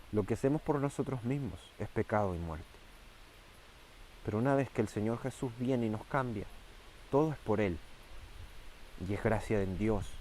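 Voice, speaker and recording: Fervent low-voiced preacher man. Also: warm tone, a little hiss or hum. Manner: fervent, repeats phrases, slows and rises for emphasis. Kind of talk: sermon.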